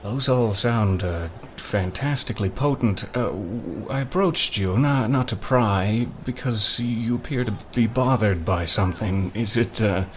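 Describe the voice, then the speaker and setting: A man playing a polite, inquisitive adventurer in a fantasy audio drama, speaking in a halting, gently probing way. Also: fairly low pitch, background noise, lightly acted. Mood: tentative.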